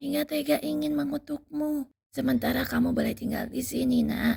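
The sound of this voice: A woman puts on a raspy character voice pitched high. She speaks at a moderate pace.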